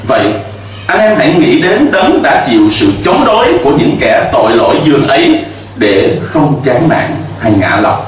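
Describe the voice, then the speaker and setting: Middle-aged pastor preaching hard, voice jumps all over, big echoey church, kinda far from the mic. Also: male voice, mid-range voice, very animated, moderate pace, slight background noise. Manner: emphatic preaching with call-and-response. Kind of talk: sermon. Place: church stage with pulpit and cross. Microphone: handheld mic.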